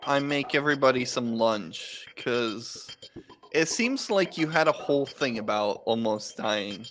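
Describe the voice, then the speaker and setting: A man's voice: medium pitch, animated, a little slow, a bit bright, a little hiss or hum. A man playing a tabletop game, modest and hedging as he talks. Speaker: player. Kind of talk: in-character tabletop role-play.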